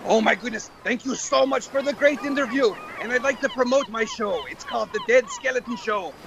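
A man playing a chatty, scatterbrained skeleton dad who hosts a comedy show, rambling excitably, repeating phrases and tagging sentences with "right?". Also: very high-pitched, fairly quick, muffled recording, background noise, exaggerated voice. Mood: excited, nosy. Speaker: show host. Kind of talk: improvised comedy skit banter.

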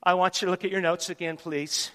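A man preaching a sermon with animated stories in an excitable, dramatic manner, repeating phrases for emphasis. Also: high-pitched, fast. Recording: echoey hall with long reverb.

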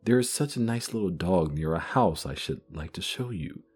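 A man's voice: sits low, lively intonation, normal speed, a little mellow, husky, faint music behind. A man voicing a curious, polite young girl who chatters earnestly.

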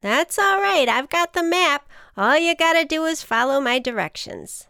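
A woman's voice: high-pitched, very animated, normal speed, bright, forceful tone, no echo, studio quality, voice pushed up, exaggerated voice. A woman voicing a small, cheeky male ant who persuades and encourages in a chummy, folksy way, as in a children's storybook. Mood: upbeat.

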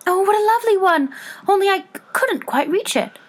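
A woman's voice: extremely high pitch, expressive, a little fast, pitched above the performer's own voice. A woman voicing a curious, polite, eager little girl in a storybook, with a wondering, childlike way of exclaiming. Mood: wistful.

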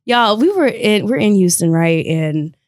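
Podcast co-host, woman in her 30s, African American accent, mid-pitched, brash and candid slang, very dry recording. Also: expressive, a little slow, a little mellow, dry recording. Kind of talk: casual chat.

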